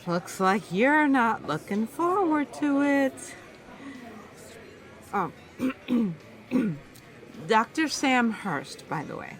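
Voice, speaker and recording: An actress playing a wry, chatty classics teacher making small talk at a bar. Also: female voice, a little high, sing-song, drawn-out words, long pauses, full character voice.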